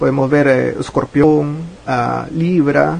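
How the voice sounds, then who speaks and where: A man speaks with a strong Spanish accent. Noticeable background noise runs through the clip. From Peru, Lima. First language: Spanish (speaking Portuguese). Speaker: physics professor. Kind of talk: radio interview.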